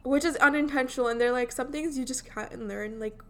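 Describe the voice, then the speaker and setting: She is a young adult woman from India, and a light Indian accent colours some of her words. She rambles in a relaxed, chatty way, with "like" in nearly every phrase. Her voice sits a bit high for a woman. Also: a little fast. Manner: chatty, filler-heavy, many "like"s and restarts. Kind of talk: casual personal chat.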